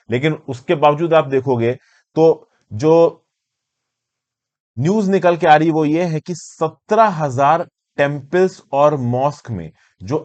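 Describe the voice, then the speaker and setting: A man's voice: medium pitch, a little mellow, dull audio. A man with an Indian accent giving an explanatory current affairs lecture, conversational and teacherly, mixing in English terms and posing questions as he goes. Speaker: educator and presenter of current affairs lessons. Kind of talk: explanatory lecture for exam students.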